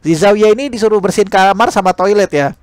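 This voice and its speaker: High-voiced Indonesian man narrating a novel. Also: fast, no echo, studio quality. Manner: stumbles over words and rereads phrases. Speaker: audiobook narrator. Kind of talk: light-novel narration with casual asides.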